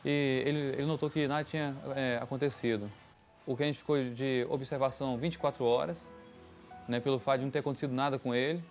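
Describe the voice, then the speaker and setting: A man giving a halting, emotional personal testimony about a frightening family event. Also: mid-range voice, steady tone. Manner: halting, emotional retelling with restarts. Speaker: testimony giver. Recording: music underneath.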